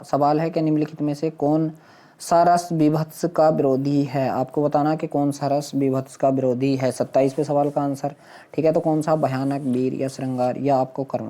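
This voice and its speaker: Mellow-voiced exam teacher working through quiz questions. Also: medium pitch. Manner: repetitive, question-and-answer explaining to viewers. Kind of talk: walking through quiz questions and answers for students.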